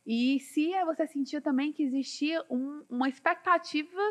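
A woman's voice: sits high, moderate pace. A woman from Northeast Brazil, the interviewer, asking long, searching questions full of fillers.

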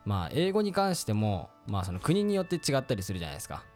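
A man's voice: medium pitch, huge pitch swings, a little mellow, soft background music. A young man from northern Japan, co-hosting a podcast in a casual, rambling chat with frequent laughter. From Hokkaido, Japan. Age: young adult. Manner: fast, rambling, laughing often. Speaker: podcast co-host.

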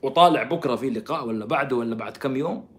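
A man giving sarcastic live-stream commentary, swinging from loud outbursts to soft mutters. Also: mid-range voice, rapid-fire. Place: living in Canada.

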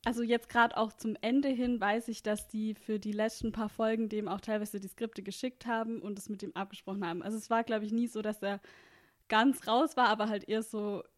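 A woman's voice: mid-range voice, flat delivery, brisk. A woman co-hosting a casual podcast about a TV series, chatty, with frequent fillers and laughs. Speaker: podcast co-host.

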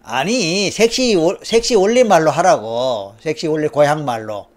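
A man's voice: on the high side, animated, normal speed. A male counselor guiding a trance session, coaxing and prompting in a ceremonial tone.

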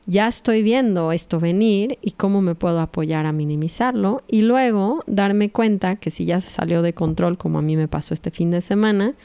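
A woman in her thirties with a Mexican accent, telling a spiritual story to her audience in a casual, animated, confiding way. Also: lowish voice, clear, resonant tone. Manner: animated, confiding, often asks "right?".

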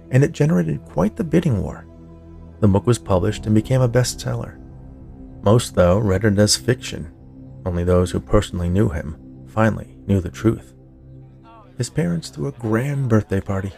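A man with a low, gravelly voice narrates fiction as a podcast storyteller. His delivery is scripted audiobook reading, with faint music underneath. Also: lively intonation, normal speed, warm tone.

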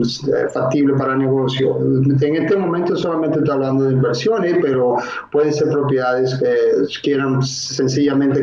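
A man from the Dominican Republic, a mortgage broker and investor, explaining slowly in an interview with many filler sounds. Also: mid-range voice, darkish tone. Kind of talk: interview answers. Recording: roomy, dull lo-fi sound.

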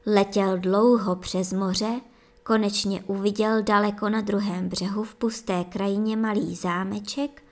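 A woman storyteller reading a fairy tale aloud in a calm, measured way. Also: medium pitch.

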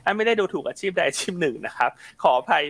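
A man hosting a casual live talk on markets, chatty, with quick apologetic asides. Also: fairly high pitch, animated, fairly bright tone. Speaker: market commentator host.

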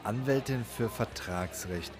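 A man's voice: lowish voice, measured pace, a crowd in the background. A man narrating a scripted audio drama as a podcast host.

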